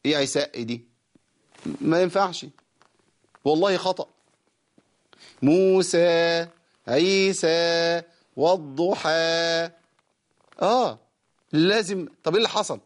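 Egyptian male Quran teacher, slightly high voice, firm corrections, slow melodic chanting of verse. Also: expressive. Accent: Egyptian Arabic.

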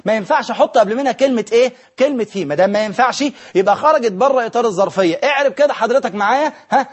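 A man's voice: extremely high pitch, racing. A man with an Egyptian accent teaching grammar on a broadcast lesson, asking questions and answering them himself with playful scolding. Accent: Egyptian Arabic.

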